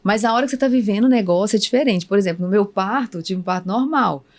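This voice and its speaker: A Brazilian woman in her thirties talks quickly as a podcast guest. She tells stories with energy and acts out the things people said to her. Her pitch sits in the middle range. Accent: Brazilian Portuguese. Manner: animated storytelling, acts out remembered speech. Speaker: guest psychologist. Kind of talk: casual conversational interview.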